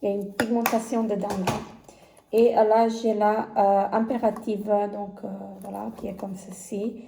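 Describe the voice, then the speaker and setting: A woman talks slowly through her makeup palette collection in a casual review, stopping often with fillers and restarts. Her voice is soft and mellow. The room gives it a noticeable echo, with a faint hiss behind. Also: medium pitch, flat delivery, vocal fry. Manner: halting, many fillers and restarts. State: has conjunctivitis. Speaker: beauty vlogger.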